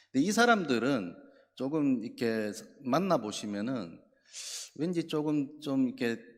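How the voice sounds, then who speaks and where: On a very clean recording with a silent background, a man with a Busan accent talks at a moderate pace and medium pitch, using very wide pitch swings. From South Korea, Busan. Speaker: bank executive. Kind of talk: conference keynote speech. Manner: halting, many fillers.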